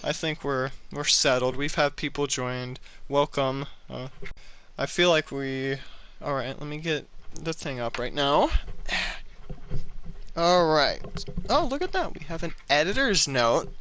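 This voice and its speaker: A man's voice: fairly high pitch, animated, slow, sharp tone, clean tone, no echo. A man hosting a casual podcast, cursing freely and joking while reading fan fiction. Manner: profane, joking, easily laughing. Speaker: podcast host.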